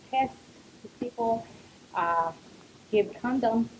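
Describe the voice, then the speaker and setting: This is a woman speaking with a Spanish accent. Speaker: health educator. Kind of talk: testimony. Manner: halting.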